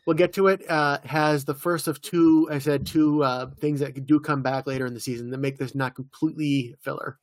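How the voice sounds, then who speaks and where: A man's voice: a little high, steady tone, normal speed, hardly any pauses, no echo. An easygoing man with a slightly raised voice walks through plot beats on a podcast, casually quoting lines. It is recorded close up, with a dry, dead sound. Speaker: podcast co-host. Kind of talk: casual episode recap chat.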